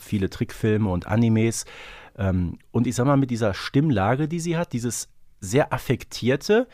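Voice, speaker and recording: A man's voice: lowish voice, a little mellow, no echo. Reflective man co-hosting, dry close sound. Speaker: podcast co-host. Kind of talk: casual discussion of an audio drama series.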